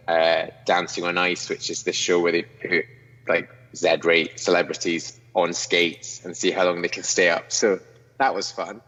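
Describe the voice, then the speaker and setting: A man's voice: low-pitched, fairly bright tone, in a large hall, dull audio. A young Scottish man from the northeast chatting as a podcast guest, self-mocking and full of restarts, over a video call. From Scotland, northeast near Inverness. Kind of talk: casual interview chat. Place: his own studio.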